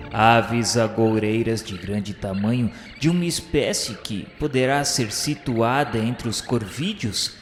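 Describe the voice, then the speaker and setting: Echoing, solemn male narrator. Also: lowish voice. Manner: measured, grave, formal. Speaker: narrator of a radio drama. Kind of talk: solemn literary scripted narration. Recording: long reverb over faint music. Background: faint music.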